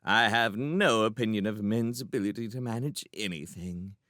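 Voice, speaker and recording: A man's voice: on the low side, normal speed, bright, forceful tone, no room sound, studio quality. A man voicing a gracious, opinionated princess in an audiobook. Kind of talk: audiobook character voice.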